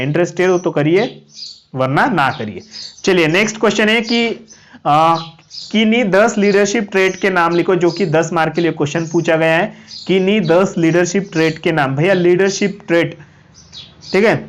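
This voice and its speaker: A high-voiced man runs a live-stream class for cadet exam candidates, mixing coaching with a pitch for his course, with slight noise in the background. He's chatty and repetitive, keeps saying "okay," and lists points one by one like he's reading notes.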